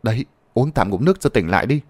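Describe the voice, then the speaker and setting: A man's voice: medium pitch, animated, a little mellow, natural voice. A man voicing a neighbor woman who chides and fusses over her friend. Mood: chiding. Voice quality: brisk, chiding. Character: fussing neighbor woman, caring and practical.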